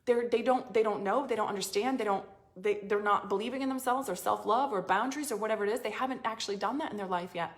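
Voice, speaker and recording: A woman's voice: mid-range voice, quick pace, hardly any pauses. A woman business coach giving a motivational talk, repeating phrases for emphasis and sometimes dropping to a near-whisper.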